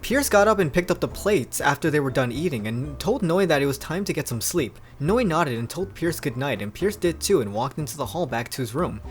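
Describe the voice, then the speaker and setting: A young man with a fairly high voice reads a story aloud in a casual way. His delivery is very lively and swings widely in pitch as he reacts to what he reads. Music plays behind him. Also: fairly quick, few pauses. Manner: animated, reacts to the story as reading. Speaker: video host reading fan fiction aloud. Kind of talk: casual storybook reading with chatty commentary.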